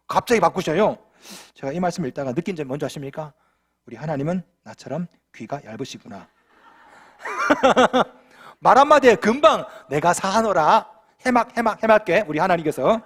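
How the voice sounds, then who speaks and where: Lively high-voiced male pastor preaching. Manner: lively, humorous preaching with rhetorical questions. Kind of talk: sermon. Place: church sanctuary.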